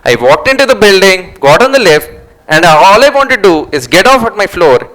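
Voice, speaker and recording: Give the stage a man playing a stubborn, sarcastic rationalist. His voice is high and forceful, and it swings widely as he insists on his point with exasperated emphasis. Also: very animated, moderate pace, low-quality recording. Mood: indignant. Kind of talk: staged play reading.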